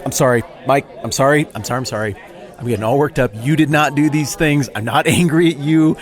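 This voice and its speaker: A man's voice: mid-range voice, fast talker, natural voice. A man playing a self-righteous Pharisee who rants defensively and sarcastically about being wronged. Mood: sheepish. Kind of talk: comic monologue in character.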